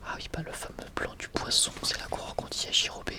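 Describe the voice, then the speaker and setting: An ASMR video creator whispers through a manga showcase in a soft, breathy, unvoiced voice, keeping a brisk pace.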